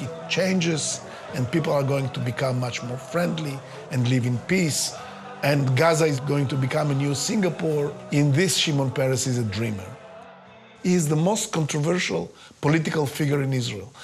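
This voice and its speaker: Higher-voiced man explaining earnestly. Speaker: documentary interviewee. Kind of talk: documentary commentary.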